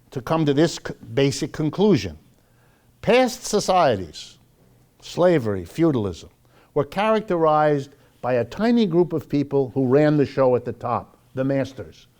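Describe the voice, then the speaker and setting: An American man delivers a public lecture in a mellow, soft-edged voice at a middling pitch. He speaks emphatically and dramatically, repeating key phrases and posing rhetorical questions to his listeners.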